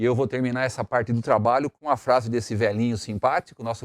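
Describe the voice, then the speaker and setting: With an animated tone and a medium pitch, a man speaks at a fairly quick pace in a dry, close sound with no echo, on a very clean recording with a silent background. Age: 60s. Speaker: motivational speaker. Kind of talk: motivational talk to camera.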